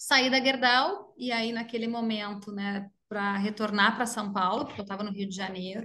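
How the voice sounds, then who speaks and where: Woman in a southern Brazilian accent, fairly high in pitch, fairly even in intonation, at a moderate pace with hardly any pauses. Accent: gaúcho Brazilian Portuguese. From southern Brazil (Rio Grande do Sul). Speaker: HR executive. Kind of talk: panel interview.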